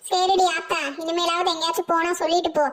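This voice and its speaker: Bossy old cartoon granny, high shrill voice, scolds and nags. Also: female voice, little pitch movement, quick pace, a bit bright. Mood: scolding. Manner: scolding, nagging, rustic. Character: older grandmother, bossy and scolding mother-in-law.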